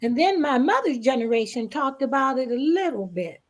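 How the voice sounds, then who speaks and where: A woman guest speaking reflectively in a panel interview, with emphatic, deliberate phrasing and pauses. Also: high-pitched, animated. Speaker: stage play cast member, guest.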